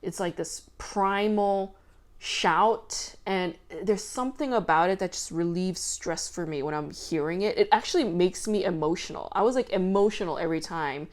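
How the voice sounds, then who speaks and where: A woman hosting a podcast, talking loudly and casually with lots of fillers. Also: fairly low pitch, normal speed. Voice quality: loud voice. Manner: chatty, filler-heavy with frequent "like" and swearing. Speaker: podcast host. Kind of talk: casual commentary monologue.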